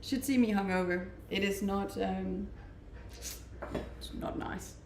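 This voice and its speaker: A woman's voice: mid-range voice, fairly even intonation, slow, gravelly, background noise. A woman with a Danish accent, chatting easily on a livestream from her rented home, reading out and answering viewer comments and laughing often. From Denmark. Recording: roomy echo.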